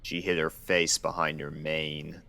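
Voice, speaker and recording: A man narrating a dark fan fiction story in a measured, restrained storytelling manner. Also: rumbling low, level tone, gravelly, slight background noise.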